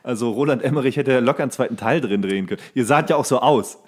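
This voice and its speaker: Man chatting casually, mid-pitched voice. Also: quick pace, a little mellow. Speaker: podcast co-host. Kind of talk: casual anecdotal chat.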